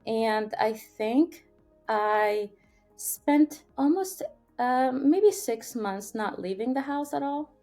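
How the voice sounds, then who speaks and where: A woman in her thirties, raised in Syria, speaking English in a fairly high voice. She tells her story earnestly and with feeling, often restarting her sentences and filling pauses. Soft music plays faintly behind her. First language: Arabic. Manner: earnest, animated, many fillers and restarts. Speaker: podcast guest. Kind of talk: conversational interview storytelling.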